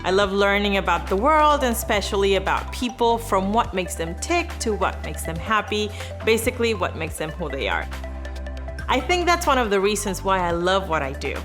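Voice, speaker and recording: A woman's voice: medium pitch, sing-song, normal speed. A woman from Venezuela, giving an earnest, upbeat prepared statement as an award recipient. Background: background music.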